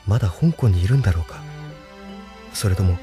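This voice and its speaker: A dreamy, earnest young hero in an anime radio drama. He speaks low, soft and musing, with clear music playing behind him. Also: expressive, brisk. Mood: wistful.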